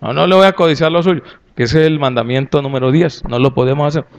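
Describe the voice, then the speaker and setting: Un pastor con acento colombiano que predica a su congregación en tono campechano y jocoso, con preguntas directas al público. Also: male voice, on the high side, fast talker, lo-fi sound. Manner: folksy and humorous, with lively asides to the audience. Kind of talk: sermon to a congregation.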